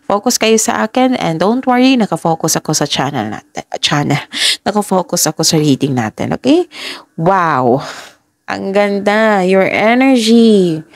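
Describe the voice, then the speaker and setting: A woman from the Philippines giving a casual tarot reading to camera, stuffy with a cold, talking in a chatty, halting way with frequent pauses. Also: medium pitch, animated, no echo, studio quality. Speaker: tarot reader.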